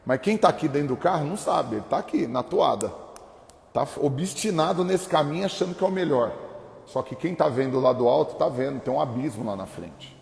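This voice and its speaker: A man from Brazil, a pastor, preaching a lively, humorous sermon full of acted-out voices. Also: on the high side, brisk, creaky. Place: church hall. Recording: echoey hall reverb.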